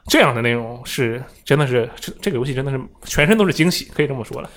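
A man's voice: medium pitch, lively intonation, very fast, fairly bright tone. A man in a casual conversation about a video game, reacting enthusiastically and summarizing what his co-host says.

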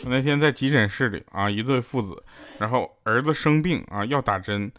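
A man's voice: medium pitch, brisk, music in the background. A man hosting a podcast, telling jokes in a teasing comedy monologue and chuckling through his punchlines. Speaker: podcast host. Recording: loud hiss and clicks.

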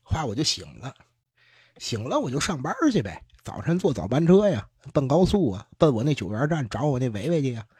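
A man's voice: mid-range voice, big pitch swings, fairly quick, dark tone, slightly rough, no room sound. A man telling a ghost story from his own life in casual, earthy, joking talk. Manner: earthy, humorous, swears casually. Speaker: radio guest storyteller.

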